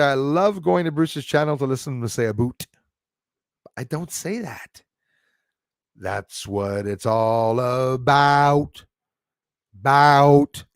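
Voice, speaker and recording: A Canadian man in his forties hosts a casual livestream. His talk rambles and halts as he responds to his chat, in an average-pitched voice. The sound is dry, with hardly any room on it. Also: no echo. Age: 40s. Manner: rambling, halting, greeting viewers by name. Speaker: livestream host. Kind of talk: casual live chat, reacting to viewer comments.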